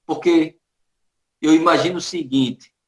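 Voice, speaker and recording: A man's voice: a little high, fairly even intonation, unhurried. A man with a Brazilian accent giving a spiritist lecture, telling stories with dramatic emphasis. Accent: Brazilian Portuguese. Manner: storytelling, dramatic, varied emphasis.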